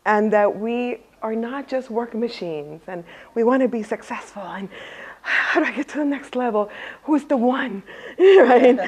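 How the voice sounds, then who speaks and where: A woman leads a workshop in front of a live audience. She is lively and laughs easily, and she keeps turning questions back to the room. Her motivational talk has a warm, inviting flow. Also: mid-range voice, poor audio. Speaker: speaker leading a workshop.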